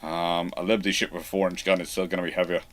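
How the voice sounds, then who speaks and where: A man with a lowish voice hosts an unscripted question-and-answer session. He thinks aloud as he goes, halting mid-phrase and starting again before settling on his point. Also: flat delivery, fairly bright tone, a little hiss or hum. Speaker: host of naval history live Q&A. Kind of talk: off-the-cuff answers to audience questions.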